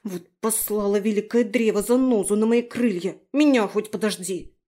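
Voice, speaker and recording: A woman's voice: medium pitch, moderate pace, a little mellow, lightly acted. A woman voicing a cheeky, fussy male fairy who teases and scolds, in a fantasy audiobook. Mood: scolding. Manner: teasing, scolding.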